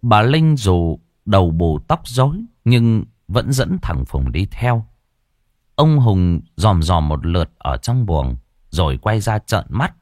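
A man's voice: on the low side, sing-song, takes it slowly, a little mellow, no echo, clean studio sound. A man narrating a ghost story in a dramatic, suspenseful way.

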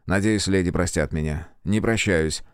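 A man reading a courteous, brisk gentleman scholar of magic in his own low voice. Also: clear, resonant tone, no room sound, clean studio sound, lightly acted.

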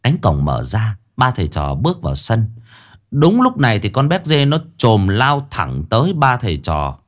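A man narrating a comic ghost story in an animated storytelling manner. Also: lowish voice, moderate pace.

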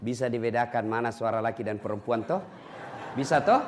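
A man's voice: mid-range voice, a little fast, a little hiss or hum. A middle-aged man, preaching a humorous sermon to a mosque gathering and teasing his listeners. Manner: joking, lively, teasing the audience.

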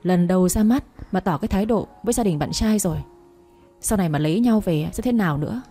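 A woman's voice: mid-range voice, expressive, fast talker, dark tone, close to an everyday voice. A woman voicing a stern older father who scolds his son and the son's girlfriend, over faint background music. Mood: scolding. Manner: scolding, disapproving.

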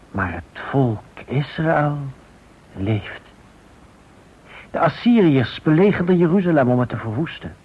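A man giving solemn, sermon-like scripted radio narration, emphatic and rhetorical with dramatic pauses. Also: mid-range voice, slightly rough. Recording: thin phone-like band, faint noise.

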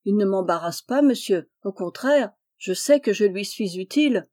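A woman's voice: mid-range voice, animated, normal speed, warm tone, lightly acted. A woman reading aloud and voicing a polite, earnest, kind peasant boy.

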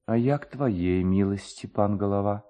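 A man's voice: lowish voice, moderate pace, dark tone, close to an everyday voice. A man voicing a skinny, fawning, indignant village clerk with a singsong, complaining manner in a dramatised story. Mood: deferential.

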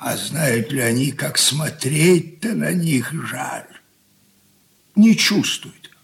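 A man's voice: medium pitch, expressive, vocal fry. A weary old merchant father. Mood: despairing. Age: older. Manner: slow, heavy, brooding delivery. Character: aging stern merchant father, weary and grief-worn. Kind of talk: 1980s studio radio drama acting.

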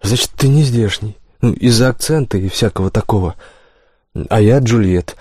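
A confident, teasing teenage schoolgirl in a storybook reading, voiced by a man. The voice stays low and close, recorded dry with no room sound. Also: normal speed, darkish tone, husky, no room sound.

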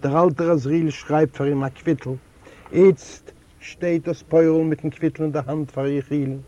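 A man, a native Yiddish speaker from Eastern Europe, narrating a literary audiobook in a measured, deliberate way. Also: on the high side, fairly even intonation, mellow, dull audio. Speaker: audiobook reader.

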